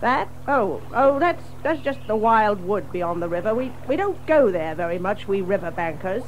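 A woman's voice: medium pitch, sing-song, moderate pace, slight background noise, natural voice, poor audio. A woman playing a chatty, friendly water rat in a children's audio drama, hearty and exclamatory. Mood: fond, amused. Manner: hearty, exclamatory, chuckling and hesitating.

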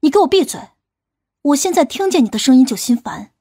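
A woman plays a stern female police squad leader in an audiobook drama. Her voice is high, and she speaks in a commanding, sharp-tongued, scolding way. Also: expressive, brisk, no room sound, studio quality. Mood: irritated. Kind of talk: acted audiobook dialogue.

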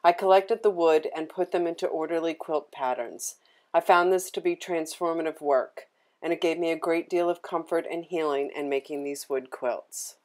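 A low-pitched, darkish voice at a moderate pace belongs to a middle-aged woman with a Philadelphia American accent. An artist from Philadelphia, United States, she hosts an informal studio tour, explaining things chattily.

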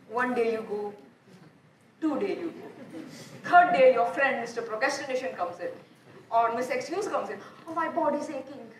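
A high-voiced woman with an Indian accent gives an animated motivational talk to an audience in a large auditorium. She keeps asking the crowd questions and repeats her words as she goes. Her voice rings through a roomy hall and sounds a little far from the mic. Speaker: motivational speaker. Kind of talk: live conference talk. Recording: echoey hall, heard from off.

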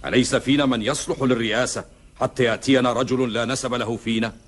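An actor playing a proud, defiant middle-aged tribal rebel in a historical epic drama, declaiming in formal Arabic with challenging rhetorical questions. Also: male voice, medium pitch, steady tone, fast, lightly acted. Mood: resentful, challenging.

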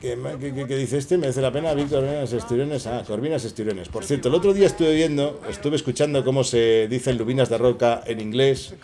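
A middle-aged man from Spain speaks with a Spanish accent in a mellow, relaxed tone. He jokes and curses casually while narrating his game to viewers. His voice comes close through a headset mic in a small room. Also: mid-range voice, a little fast, few pauses. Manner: joking, swearing, chatty asides to viewers. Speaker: gaming channel host. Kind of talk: casual gameplay commentary.

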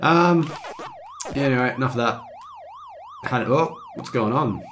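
A man's voice: mid-range voice, moderate pace, background noise. A hungover man giving loose, rambling, joking, self-mocking casual commentary as he hosts a video game review.

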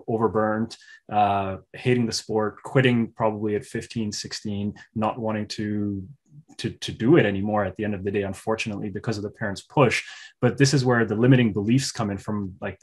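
A man's voice: on the low side, slightly rough. A man in his thirties from Pakistan, earnestly explaining his thoughts as a conversational interview host. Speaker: host, coach. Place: indoor room at home, on a video call. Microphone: video call.

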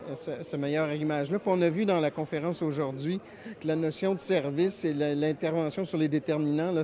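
A man in his fifties with a Quebec French accent, explaining his view at a conference in a measured, deliberate way. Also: fairly high pitch, warm tone. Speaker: public health worker. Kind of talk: vox pop interview answer. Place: busy hotel conference hall. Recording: crowd chatter behind.

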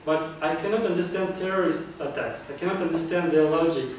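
A Kazakh man gives an earnest, prepared club speech in a meeting room, often restarting phrases with fillers. His voice is a little high and brisk, with slight hiss or hum. A distant camera mic picks him up in an echoey room.

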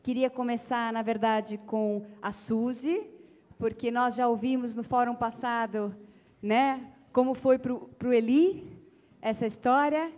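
A woman with a Brazilian accent and a moderately high voice moderates an onstage conversation. She introduces and asks questions through a handheld microphone, her words carrying long reverb from the hall. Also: fairly even intonation, measured pace, a little mellow. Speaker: panel moderator. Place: stage in a conference hall with seated audience.

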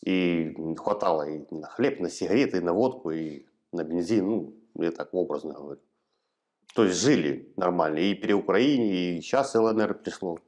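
A man in his thirties from eastern Ukraine, giving hesitant, halting answers in an interview in a small office, recorded on a lapel mic. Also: deep voice, lively intonation, darkish tone. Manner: hesitant, halting, plain-spoken. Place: small office room, indoors. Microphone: clip-on lapel mic.

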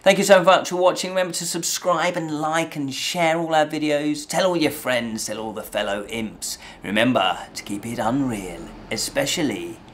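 A man's voice: a little high, moderate pace, few pauses, a bit bright, slight background noise. A middle-aged man giving a casual, rambling review to camera, often repeating and rephrasing himself. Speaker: host of a fantasy review show. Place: small indoor set with draped backdrop.

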